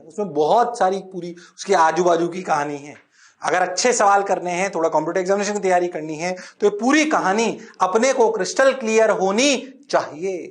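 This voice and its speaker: A male physics teacher giving an exam-prep lecture, coaxing students in a playful, sing-song way and mixing English terms into his speech. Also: high voice.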